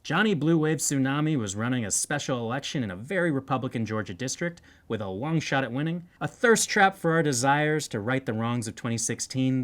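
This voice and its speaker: A man hosting a satirical news show, delivering scripted political commentary in a wry, tongue-in-cheek way. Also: medium pitch.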